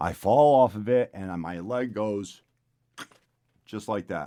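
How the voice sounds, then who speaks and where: A man is speaking. His pitch swings very widely. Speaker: voice actor. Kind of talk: casual personal story to camera. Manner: casual, humorous.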